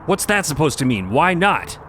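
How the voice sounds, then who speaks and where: A man's voice: a little high, very animated, normal speed, bright, forceful tone, a little hiss or hum, pitched above the performer's own voice. A man voicing an angry, flustered male commissioner, officious and barking, in an audio drama. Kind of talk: audio drama character acting.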